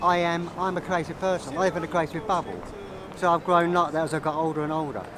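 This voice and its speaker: The speaker goes at a fairly quick pace amid noticeable background noise. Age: 70s. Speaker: painter and model, street interviewee. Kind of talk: street interview. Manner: halting, repeats words.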